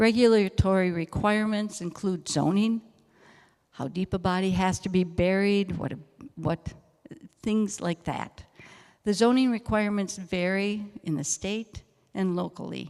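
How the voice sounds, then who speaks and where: On a very clean recording with a silent background, a woman's shaky, medium-pitched voice moves at a fairly slow pace with ordinary pitch variation and long, frequent pauses. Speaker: church committee member presenting. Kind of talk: church service presentation. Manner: shaky voice.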